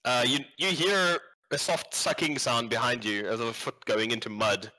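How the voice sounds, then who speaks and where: Bright-voiced man running a tabletop game. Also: mid-range voice, poor audio. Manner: casual, filler-heavy narration with quick asides. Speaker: game master.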